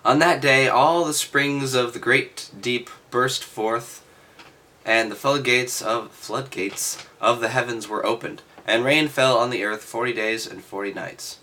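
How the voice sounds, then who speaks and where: A man reading aloud and adding halting, offhand, skeptical commentary with sardonic asides. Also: medium pitch, bright, forceful tone, a little hiss or hum. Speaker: reader and commentator.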